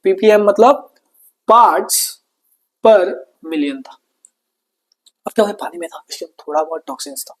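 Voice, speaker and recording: An Indian male science teacher gives an online exam-prep lesson with an Indian English accent, chatty and repetitive and calling students brother. His high voice is expressive, at normal speed with long pauses.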